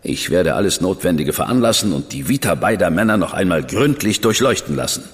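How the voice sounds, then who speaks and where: A man's voice: deep voice, lively intonation, brisk, big-room sound. An actor playing a stern, formal government man in an audio drama. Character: stern, proper government man, older brother figure. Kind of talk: German audio drama acting.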